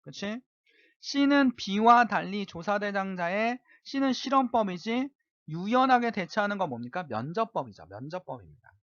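A male teacher with a high, animated voice, lecturing online and constantly checking that students follow along. The recording is dry and somewhat dull. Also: measured pace, dry recording. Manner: keeps asking "right?" to check understanding. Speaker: high school social studies teacher.

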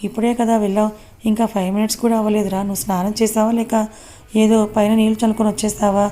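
A woman's voice: mid-range voice, little pitch movement, quick pace, mellow, close to an everyday voice. A woman voicing a worried young man who scolds and pleads with his friend.

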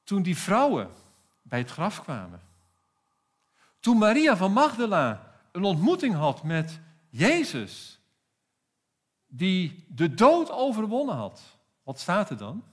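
A pastor with a South African accent preaching a sermon in a church, emphatic and full of rhetorical questions. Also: male voice, high voice, huge pitch swings, takes it slowly, long pauses.

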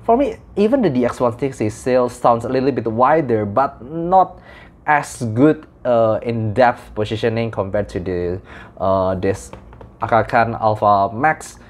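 A young man gives a casual product review to camera, in halting, repetitive phrasing. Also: mid-range voice, animated. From Indonesia. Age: young adult. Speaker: audio gear reviewer. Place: small room indoors.

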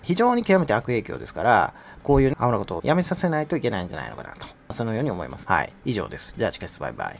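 Fast, sarcastic male commentator. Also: fairly low pitch, wildly swooping pitch, vocal fry, noisy background. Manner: sarcastic, mocking, conversational. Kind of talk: casual commentary video.

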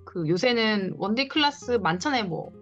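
A woman's voice: mid-range voice, lively intonation, moderate pace. Encouraging woman coach, dull call audio. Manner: encouraging, advising. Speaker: coach for independent lecturers. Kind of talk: one-on-one online coaching talk. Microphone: video call. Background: faint guitar music.

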